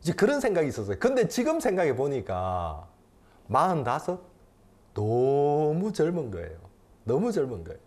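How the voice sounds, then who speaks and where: With a slightly high voice and wildly swooping pitch, a pastor in his fifties gives a sermon at a moderate pace. He swings between loud, emphatic lines and quiet, personal ones, repeating phrases for emphasis.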